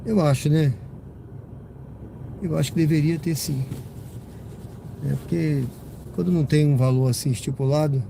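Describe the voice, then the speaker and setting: A man's voice: fairly high pitch, fairly even intonation, normal speed, vocal fry, pauses often. A Brazilian rideshare driver chatting casually to his live-stream viewers from the car, slightly congested from a cold, rambling with lots of tag questions. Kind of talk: casual live-stream chat while driving. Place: inside a car driving at night. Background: car and road noise.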